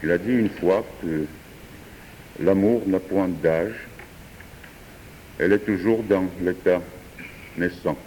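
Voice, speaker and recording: A man, a French speaker, improvising a philosophical talk with hesitant pauses and fillers. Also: low voice, darkish tone, a little hiss or hum. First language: Georgian. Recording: distant voice in a reverberant hall.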